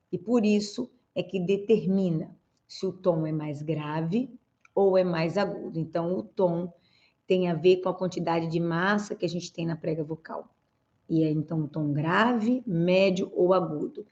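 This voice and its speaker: A Brazilian speech therapist and host explaining voice basics to viewers, step by step and in a teaching tone. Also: female voice, lowish voice, mellow, muffled recording. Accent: Brazilian Portuguese. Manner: didactic, explains step by step with frequent "né?" and "tá, gente?". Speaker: speech therapist and communication coach. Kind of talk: answering viewer questions on camera.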